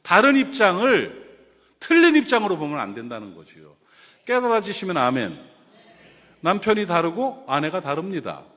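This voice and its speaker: A man from South Korea preaching a sermon as pastor, animated and often questioning the congregation. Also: high-pitched, normal speed. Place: church sanctuary. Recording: reverberant church hall.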